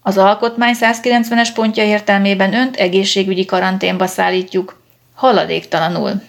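A woman's voice: mid-range voice, level tone, gravelly, close to an everyday voice. A woman voicing a firm police sergeant who speaks in a curt, official way, in a storybook reading. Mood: stern. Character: stern, brisk police sergeant, adult man.

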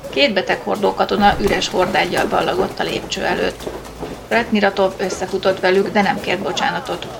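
A woman narrating a science fiction story in a steady, measured audiobook reading. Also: mid-range voice, gravelly, background noise.

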